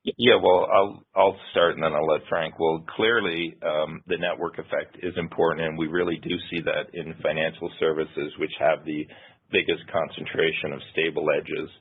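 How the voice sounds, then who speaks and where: A man with a gravelly, husky voice speaking as a company finance executive on an earnings call. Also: very deep voice, little pitch movement, normal speed. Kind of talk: earnings call remarks and answers. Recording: tinny phone-line conference call audio.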